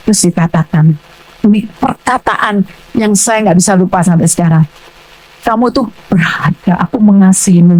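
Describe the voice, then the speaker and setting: An older woman with a Surabaya Indonesian accent preaching a sermon in church, telling stories loudly and emphatically. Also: mid-range voice, low-quality recording. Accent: Surabaya Javanese Indonesian. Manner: animated storytelling, loud and emphatic, acting out dialogue.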